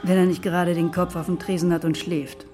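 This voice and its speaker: An actress playing a chatty, curious bartender in a naturalistic radio drama, talking casually and frankly. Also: female voice, lowish voice, level tone, a little fast, lightly acted. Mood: curious, amused. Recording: music playing behind the voice.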